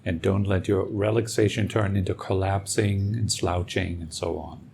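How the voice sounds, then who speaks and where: A man leading a guided meditation as a teacher, speaking gently and soothingly with long pauses, over music. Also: deep voice, fairly even intonation, creaky, a little hiss or hum. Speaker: meditation teacher and podcast host. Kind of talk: guided meditation, calm instruction.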